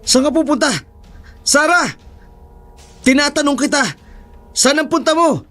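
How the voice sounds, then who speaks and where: A man's voice: very high voice, a little slow, faint music behind, pitched above the performer's own voice, exaggerated voice. A man with a Filipino accent voicing a brave young male student who confronts aswang in a horror story. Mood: alarmed. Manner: tense, urgent, shouting.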